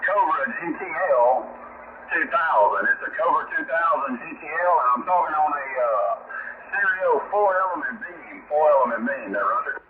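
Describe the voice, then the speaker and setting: A man's voice: fairly high pitch, animated, moderate pace. A folksy man with a Southern US accent, chatting in slang over a CB radio transmission. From Louisiana, United States. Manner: folksy, repeats catchphrases. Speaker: CB radio operator. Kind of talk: casual CB radio chat with slang. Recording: narrow, very noisy CB radio reception.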